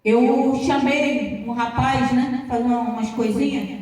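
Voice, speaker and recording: High-voiced woman preaching in an echoey church. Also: steady tone, unhurried, a little mellow. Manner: conversational storytelling preaching, addresses listeners by name. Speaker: pastor. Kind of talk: sermon. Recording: echoey church hall, distant mic.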